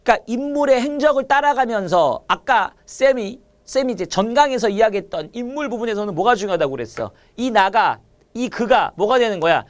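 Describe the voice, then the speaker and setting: A man teaching literature in an online exam-prep lecture, repeating key points and firing quick questions at his students. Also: high-pitched, expressive.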